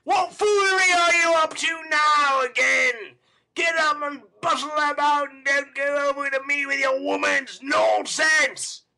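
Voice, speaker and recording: A man voicing a brutal, hot-tempered male robber in a storybook reading, shouting savagely. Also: extremely high pitch, steady tone, unhurried, creaky, voice pushed up, heavily acted, poor audio.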